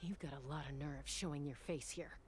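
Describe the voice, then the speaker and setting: A woman's voice: sits low, fairly even intonation, a little fast, darkish tone, slight background noise, natural voice. A woman playing a defiant, principled young tribal heroine in a fantasy game, firm and blunt. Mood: scornful. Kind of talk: dramatic scripted game dialogue.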